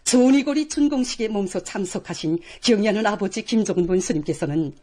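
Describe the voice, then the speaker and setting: A woman's voice: mid-range voice, animated, fairly quick, mellow. A woman with a North Korean accent reads formal scripted television news in a solemn, reverent, declamatory manner.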